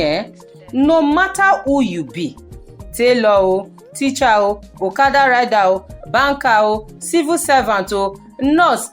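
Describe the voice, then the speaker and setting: A woman with a Nigerian accent playing a lively, streetwise adviser in a folksy, persuasive Pidgin radio monologue, exclaiming and addressing her listeners directly. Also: on the high side. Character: Madam Cho Cho Cho, lively streetwise woman giving housing advice. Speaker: radio segment presenter.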